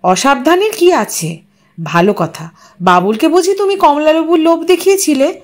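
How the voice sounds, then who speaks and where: A woman's voice: high voice, lively intonation, normal speed, pitched above the performer's own voice. Woman as a coy, playful young wife. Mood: coy teasing.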